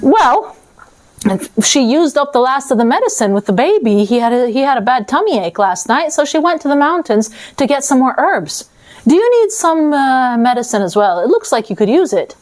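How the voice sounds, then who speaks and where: A woman's voice: sits high, very animated, normal speed, a little mellow, voice pushed up. A woman voicing a chatty, reassuring village woman in a told folk tale. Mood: breezy.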